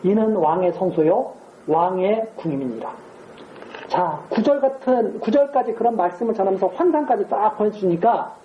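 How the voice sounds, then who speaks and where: A woman's voice: mid-range voice, echoey room, lo-fi sound, slight background noise. A woman preaching a sermon in a conversational way, asking her listeners rhetorical questions and acting out quoted speech. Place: church sanctuary.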